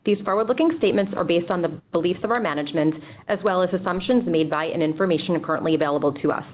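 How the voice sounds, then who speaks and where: A woman's voice: lowish voice, fast talker. A woman reading a formal scripted statement as a corporate investor relations executive on a conference call. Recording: dull, noisy conference call audio.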